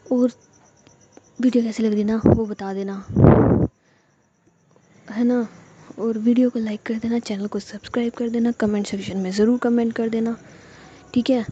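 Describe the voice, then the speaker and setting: A woman's voice: a little high, mellow, dull audio, a little hiss or hum. A young woman telling a romantic story in a casual, chatty way, full of fillers, voicing the characters' pleading lines herself.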